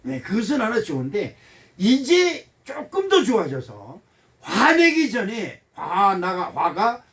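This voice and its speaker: A man in his seventies, a pastor giving a folksy, animated sermon and asking his congregation questions. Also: high voice, slow. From Korea. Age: 70s. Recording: voice heard from some distance.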